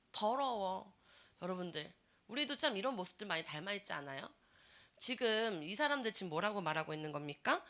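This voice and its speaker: A woman preaches a sermon to a church youth group, putting many questions to the teenagers and acting out the people she describes, including complaining voices in quotes. Her voice is medium-pitched, bright and forceful.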